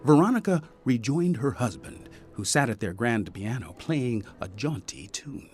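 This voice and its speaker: A man narrating a scripted audio mystery drama as a polished, deliberate storyteller. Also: medium pitch, very animated, a little mellow, faint music behind. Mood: storytelling.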